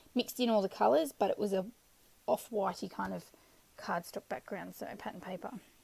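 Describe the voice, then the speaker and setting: A woman mumbles at a moderate pace. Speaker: craft video creator. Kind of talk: tutorial. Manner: mumbling; halting.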